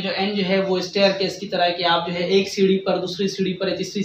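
A man's high voice at a moderate pace, with audible room echo and light background noise. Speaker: chemistry teacher. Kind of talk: lecture. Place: home room.

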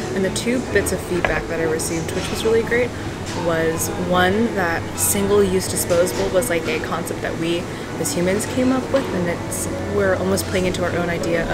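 Music runs behind the speaker. She is a woman talking at a moderate pace. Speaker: student vlogger. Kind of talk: casual vlog chat. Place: cafe. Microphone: camera far.

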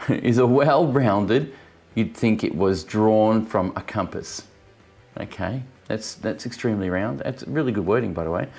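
A man speaks at a fairly slow pace. Faint music sits in the background. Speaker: beer reviewer. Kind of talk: casual review chat. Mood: cheerful, laughing. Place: home room.

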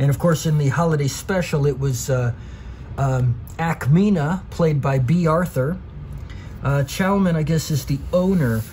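Against noticeable background noise, a man with a fairly high pitch speaks at a fairly slow pace with ordinary pitch variation and very even loudness. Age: 40s. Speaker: YouTuber reviewing comics and collectibles. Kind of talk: casual show-and-tell video. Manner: animated.

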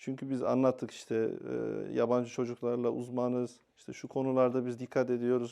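Monotone, flat intonation from a man with a dark, mellow tone at medium pitch, moderate pace, and hardly any pauses. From Netherlands, Rotterdam. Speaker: youth care company co-founder. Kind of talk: interview. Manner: halting, many fillers.

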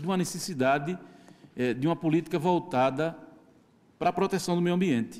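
A man talks at a moderate pace. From Brazil, Rio Grande do Norte. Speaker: judicial council member, lecturer. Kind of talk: lecture. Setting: auditorium with audience. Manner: halting, many fillers. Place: hall. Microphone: podium.

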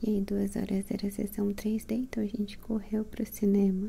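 Soft-spoken and somewhat breathy, a woman talks in a dark, mellow tone with a relaxed delivery. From Brazil. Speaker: ASMR content creator and beauty expert; ASMR content creator. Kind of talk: casual talk to camera, ASMR vlog. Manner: soft-spoken, relaxed. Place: home room. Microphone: handheld.

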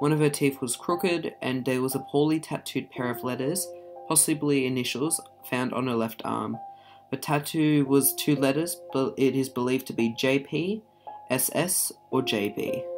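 A man speaks at a moderate pace with ordinary pitch variation. Music plays in the background. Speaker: video narrator. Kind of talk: true-crime narration.

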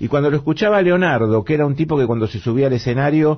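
A man talks in a somewhat breathy voice with lively intonation. The background is quiet. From Argentina, Buenos Aires area. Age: 70s. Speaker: saxophonist. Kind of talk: radio interview. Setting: radio studio. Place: studio. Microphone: studio mic.

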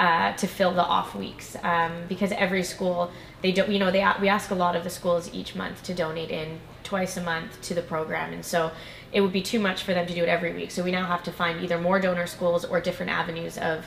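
A woman with a fairly low pitch talks at a fairly quick pace in a monotone, flat intonation. Light background noise can be heard. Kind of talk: interview answer. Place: hall.

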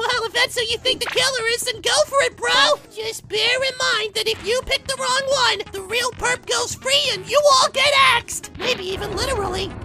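In a put-on character voice pitched extremely high, the speaker goes at a moderate pace with hardly any pauses. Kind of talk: comic game-show host. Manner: gleeful, mocking, showman.

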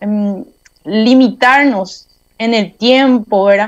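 A woman speaks very slowly at a fairly high pitch, her intonation fairly even against a quiet background. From Paraguay. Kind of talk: testimony in an online meeting. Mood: warm, earnest. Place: home room. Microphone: earbuds.

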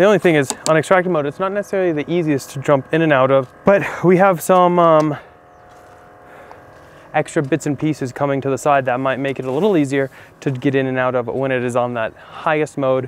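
The voice moves at a fairly quick pace with ordinary pitch variation. There is light background noise. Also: man, dry sound with no echo. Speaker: car reviewer. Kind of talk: casual vlog chat. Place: street.

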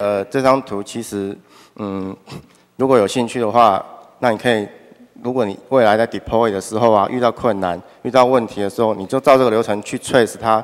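In a Taiwanese accent, a man speaks at a fairly quick pace with a medium pitch. His intonation is fairly even. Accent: Taiwanese Mandarin. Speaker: cloud engineer. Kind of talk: conference talk. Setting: stage with audience. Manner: halting, many fillers.

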